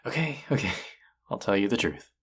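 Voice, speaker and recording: A man's voice: fairly low pitch, very animated, brisk, husky, exaggerated voice. A man acting a cocky, teasing male chef in an intimate romantic audio roleplay, speaking to his rival and love interest. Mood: flustered, earnest.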